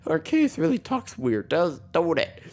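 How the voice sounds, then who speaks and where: A man's voice: fairly high pitch, huge pitch swings, a little slow, darkish tone. A young man with a sore throat and slight cough, giving rambling, self-deprecating casual commentary on a game he plays and chuckling often. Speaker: gaming channel host. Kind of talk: casual let's play commentary.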